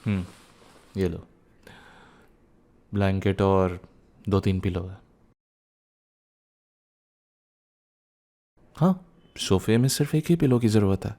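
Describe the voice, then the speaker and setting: A man's voice: low voice, a little slow, pauses often, warm tone. A young man playing a teasing, playful and cheekily bossy young husband who gets flustered, in a boyfriend ASMR roleplay, mixing in some English. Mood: smug, playful. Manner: teasing, repeats words, mixes in English.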